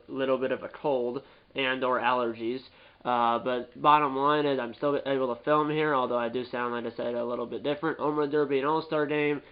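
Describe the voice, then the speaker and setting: A man's voice: mid-range voice, clear, resonant tone, muffled recording. Congested man rambling through gameplay commentary. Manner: rambling, repeats and corrects himself. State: stuffy nose from a cold. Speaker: gaming YouTuber.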